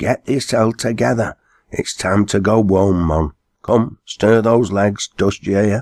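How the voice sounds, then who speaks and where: In a put-on character voice with a strong Lancashire accent, a man sounds raspy at a fairly low pitch. He speaks at a fairly slow pace with very even loudness. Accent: broad Lancashire dialect. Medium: read story.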